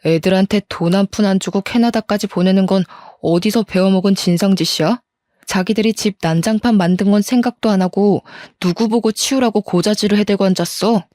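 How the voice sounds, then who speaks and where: A woman's voice: medium pitch, fairly quick, dark tone, dry recording, clean studio sound, natural voice. A woman reading a furious husband's tirade. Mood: scolding. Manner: angry, scolding tirade. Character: furious scolding husband, adult man.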